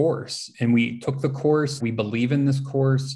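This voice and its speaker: Somewhat breathy and in an American accent, a man speaks at a moderate pace with fairly even intonation. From small-town Kentucky, US South. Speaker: YouTube travel creator. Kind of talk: casual interview chat.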